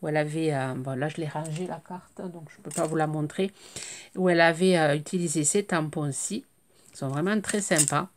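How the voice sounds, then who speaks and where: A French woman with a slightly hoarse voice, chatting casually and hesitantly about her crafting purchases, full of fillers and restarts. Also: deep voice, brisk, a little hiss or hum. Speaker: crafting YouTuber. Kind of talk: casual haul show-and-tell.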